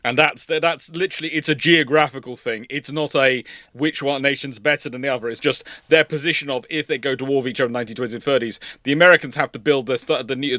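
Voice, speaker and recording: A man's voice: mid-range voice, pushed and bright, dry recording, studio quality. A man hosting a casual, analytical history discussion, talking discursively and often rephrasing himself as he goes. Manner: discursive, repeats and rephrases phrases. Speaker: host of naval history livestream.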